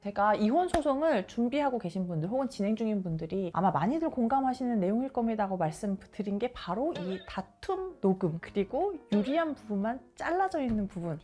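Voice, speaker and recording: A woman, a divorce lawyer hosting her own channel, telling a viewer's case and giving legal advice, acting out the quoted lines of the couple. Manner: animated, acts out quoted dialogue with sharp jumps in pitch and volume.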